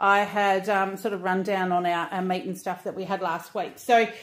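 A woman is speaking at a moderate pace. The background is quiet. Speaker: home grocery haul vlogger. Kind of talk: casual vlog chat. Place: kitchen. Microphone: phone near.

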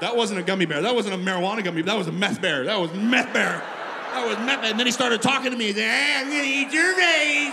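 A man talks at a very fast pace in a raised, projected voice with a high pitch. Noticeable background noise runs underneath. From Canada. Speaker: stand-up comedian. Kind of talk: stand-up comedy storytelling, acting out panicked inner monologue. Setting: stage with audience. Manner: animated, building to frantic mock-panic; does mimicking voices of characters and accents. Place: stage. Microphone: handheld.

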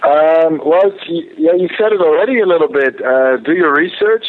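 A man's high voice in a Dutch accent, with ordinary pitch variation at a moderate pace. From Netherlands. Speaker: actor. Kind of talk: radio interview. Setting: phone call.

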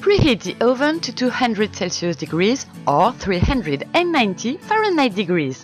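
A woman speaks with a French accent at a fairly slow pace. Music plays in the background. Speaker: cooking video host. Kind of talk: recipe instructions voice-over.

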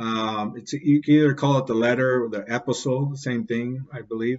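A man's fairly even intonation and moderate pace come through over a quiet background. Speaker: religious text reader. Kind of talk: casual intro before a reading. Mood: cheerful, laughing at himself. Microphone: webcam.

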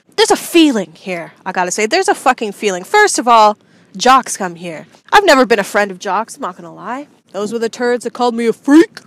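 A woman talks at a fairly quick pace with big swings in loudness, in a dry sound with no echo. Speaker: vlogger. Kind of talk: casual vlog chat. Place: open country. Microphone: phone near.

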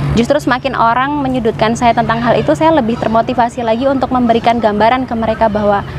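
A woman's fairly quick speech with ordinary pitch variation, dry and echo-free, over noticeable background noise. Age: young. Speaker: spiritual practitioner; interviewee. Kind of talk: interview. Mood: earnest, self-assured. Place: garden.

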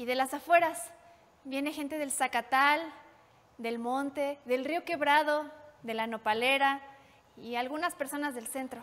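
Long, frequent pauses break up a woman's fairly slow speech. Her pitch is high and her intonation fairly even. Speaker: stage actor. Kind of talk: theatrical monologue. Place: stage.

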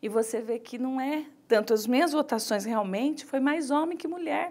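Her pitch high, a woman talks at a moderate pace with lively intonation. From Brazil, Barueri (São Paulo metro area); São Paulo, Brazil. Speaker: city councillor. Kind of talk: interview. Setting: studio. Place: studio. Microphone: lapel.

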